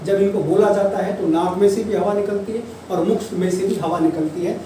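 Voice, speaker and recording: Hindi teacher, echoey and distant. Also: male voice, high-pitched, fairly even intonation, dark tone. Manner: explains patiently, repeats key terms and drawls examples slowly. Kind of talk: classroom-style lecture. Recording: distant mic, echoey room, faint noise.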